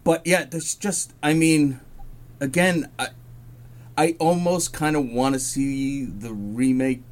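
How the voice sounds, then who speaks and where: Male co-host, middle pitch, halting casual talker. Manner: hesitant, filler-heavy. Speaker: podcast co-host. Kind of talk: casual film discussion.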